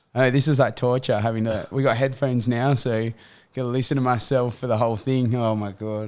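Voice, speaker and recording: In a very clean recording with a silent background, a man with an Australian accent talks at a fairly quick pace and medium pitch, his intonation monotone and flat. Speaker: MMA fighter. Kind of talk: casual interview chat.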